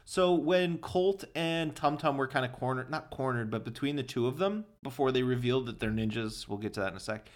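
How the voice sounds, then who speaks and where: A man's voice: medium pitch, a little fast, few pauses. A man co-hosting a movie podcast, riffing emphatically and swearing freely in casual chat. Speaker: podcast co-host.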